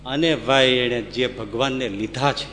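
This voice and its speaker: A man's voice: medium pitch, a little slow, fairly bright tone, long reverb tail, slight background noise. A man giving a humorous religious discourse, acting out characters and chanting Sanskrit verses. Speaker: religious storyteller.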